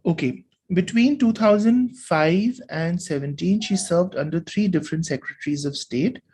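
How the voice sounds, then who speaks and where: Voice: medium pitch, normal speed, a little mellow, husky. A tutor reading a test passage aloud and explaining which answer is correct, checking in with "right?" as they go. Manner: talks through reasoning, asks "right?" for checks.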